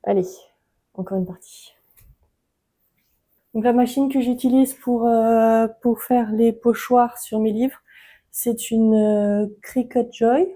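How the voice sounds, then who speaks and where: French-accented woman, slow and easygoing, mellow tone, talks viewers through a craft project with lots of filler pauses. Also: on the high side, rough recording. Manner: relaxed, chatty, many hesitations. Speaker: book crafting YouTuber. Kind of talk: casual crafting tutorial.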